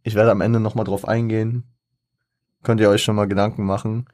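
A man's voice: on the low side, level tone, brisk, a little mellow, no echo, clean studio sound. A man hosting a casual solo podcast, rambling and thinking aloud with many fillers and self-corrections. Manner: thinks aloud and counts things off. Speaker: podcast host.

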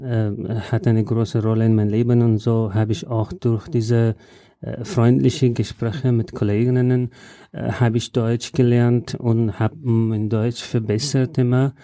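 A man from Afghanistan, answering interview questions in halting, full of hesitations. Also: medium pitch, mellow, no room sound, clean studio sound. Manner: halting non-native German with frequent "äh" fillers. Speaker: guest, journalist.

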